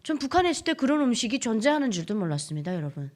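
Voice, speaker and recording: A young woman from North Korea giving an earnest church testimony, speaking straight to the congregation and sometimes dropping to a hushed whisper. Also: on the high side, very animated, very fast. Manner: earnest, addresses audience often, drops to a hushed whisper.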